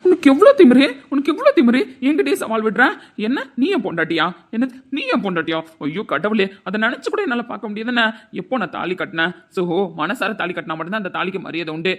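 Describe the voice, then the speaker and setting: A woman voicing an angry, scornful young husband in an amateur audio drama, shouting and scolding. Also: medium pitch, expressive, fast talker. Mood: furious. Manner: shouting, scolding, repeats "understand?".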